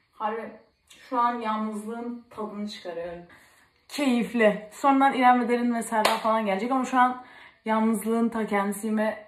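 A woman's voice: medium pitch, recorded from a distance. A woman vlogging casually on her own in a holiday home, rambling and joking at her own expense. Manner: chatty, rambling and self-mocking. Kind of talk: casual solo vlog chat. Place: indoors in a rented holiday home. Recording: echoey room, faint background noise.

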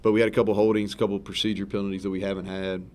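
Low-ish voiced coach guy rambling thru postgame answers, fixes himself mid-sentence, press table mics, bit of room noise. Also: rapid-fire. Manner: rambling, self-correcting, relaxed and frank. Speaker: head football coach. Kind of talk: post-game press conference answers. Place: press conference room in front of a sponsor backdrop. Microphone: several table microphones in front of him.

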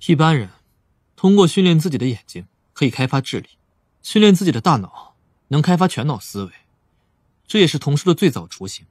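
A clever, lively-pitched young investigator. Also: male voice, brisk, pauses often, husky, dry recording. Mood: probing, calm. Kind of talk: audiobook drama acting. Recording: dry voice over soft music.

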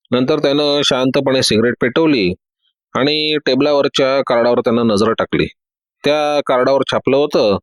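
A man narrating a detective audiobook in a steady storytelling manner. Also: medium pitch, no room sound.

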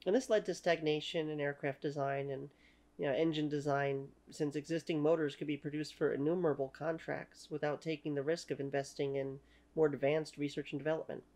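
Speaking fairly quickly in a deep, warm voice with fairly even intonation, a history channel host gives an opinionated lecture to camera from a small room in her home. She is in her thirties, has a Canadian accent, grew up with French as her first language, and says "you know" often.

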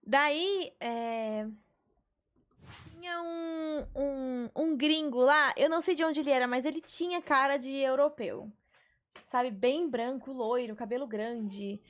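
This is a high-pitched, slightly slow female voice. A young woman streams a life-sim game from her small bedroom, casually chatting with viewers, telling stories and sometimes swearing, all through a headset mic on a webcam stream.

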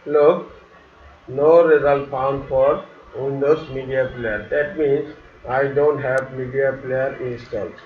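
A man narrating a step-by-step software tutorial in simple, halting, non-native English phrasing. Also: medium pitch, fairly even intonation. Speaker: tutorial host. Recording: roomy, distant, dull mic with faint hiss.

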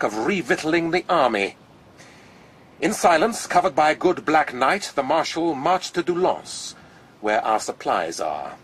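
An actor playing a haughty, spiteful aristocratic commander in a radio drama, with a pompous, sardonic drawl. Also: male voice, mid-range voice, a bit bright, a little hiss or hum, close to an everyday voice.

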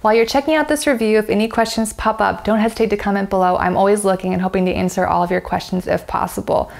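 Upbeat American woman with a gravelly edge. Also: medium pitch, fairly even intonation, quick pace, a little mellow, faint music behind. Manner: chatty, upbeat and enthusiastic. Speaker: product reviewer. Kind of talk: casual product review to camera. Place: bedroom, seated on a bed.

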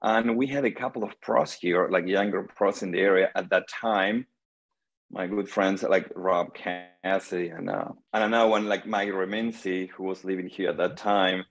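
His voice sits low: a middle-aged man from Argentina, guesting as a senior pro pickleball player on a casual video call interview. He's in a small room at home, recorded by a laptop webcam. He tells his stories in a relaxed manner, pausing often, saying "um," and gesturing as he goes.

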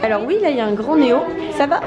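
A woman's voice: high-pitched, expressive, rapid-fire, heavy background noise. Chatty French mother filming her kids. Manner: chatty, tender toward children, softens to a hush at bedtime. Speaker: vlog host, mother filming. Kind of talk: casual family vlog narration. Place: hotel rooms and game room, indoors.

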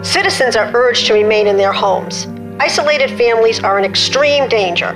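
Actress as official emergency broadcaster in radio drama, formal, fairly high voice over music. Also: female voice, animated, moderate pace, natural voice, poor audio. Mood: urgent, official. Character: urgent emergency radio announcer reading bulletins. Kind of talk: emergency news bulletin acting. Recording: music behind, live stage.

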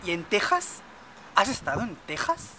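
A woman plays Estela, a spoiled chatterbox and vain rich daddy's girl who brags bubbly and nonstop, throwing in fake foreign-accent bits. Her natural, medium-pitched voice is sing-song at a normal pace, with background music.

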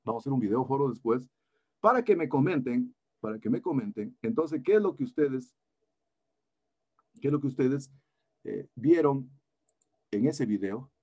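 A man lecturing his students over a video call, relaxed and coaxing, often repeating his phrases. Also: medium pitch, normal speed, pauses often, muffled recording. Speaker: engineering lecturer. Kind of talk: online class talk.

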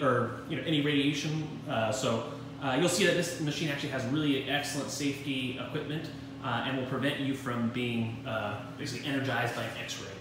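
A man's voice: mid-range voice, noisy background. Guy teaching engineering, walking a lab tour on his phone, lots of ums, super echoey room, bit far off mic. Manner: casual, rambling with many fillers and self-deprecating asides. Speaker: university engineering instructor. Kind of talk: informal lab tour walkthrough. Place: university materials lab, indoors. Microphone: handheld phone camera while walking.

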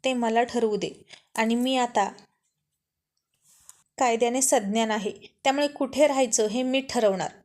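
A woman's voice: a little high, unhurried, long pauses, a little mellow, close to an everyday voice. A woman voicing a headstrong, defiant young woman who argues and pleads in a told love story.

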